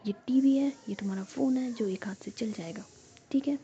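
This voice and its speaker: A woman's voice: fairly high pitch, moderate pace, warm tone, natural voice. A woman voicing a caring young woman who scolds her partner, spoken in a whisper. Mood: scolding. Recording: dull lo-fi recording.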